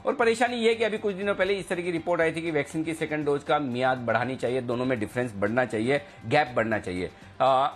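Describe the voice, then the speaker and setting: Brisk Indian male news anchor. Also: medium pitch. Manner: brisk, announcing upcoming shows with punchy slogans. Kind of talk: live market news presenting.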